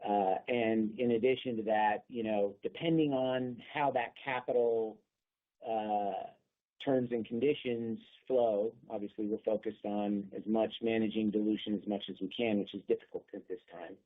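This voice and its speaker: A man speaking as a company executive, giving unscripted answers on an earnings call in a halting way, repeating words as he goes. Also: fairly low pitch, fairly even intonation. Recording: thin phone-line conference call.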